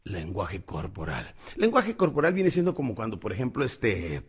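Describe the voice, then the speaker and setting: A male motivational speaker teaching public speaking, alternating loud excited bursts with low, slow, weighty passages, calling the listener "champ". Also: husky. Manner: calls the listener "campeón", laughs at own jokes.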